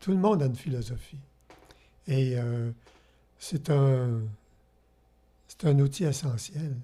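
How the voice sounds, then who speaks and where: Long, frequent pauses mark a man's very slow delivery. His pitch is fairly high, with ordinary pitch variation. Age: 80s+. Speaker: engineer and philosopher. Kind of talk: interview. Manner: halting.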